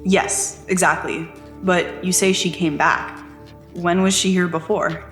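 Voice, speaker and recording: A woman's voice: fairly low pitch, steady tone, unhurried, fairly bright tone. An actress playing an earnest, polite, curious young woman in an audio drama, speaking in a tentative, conversational way. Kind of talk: naturalistic audio drama dialogue. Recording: roomy echo under music.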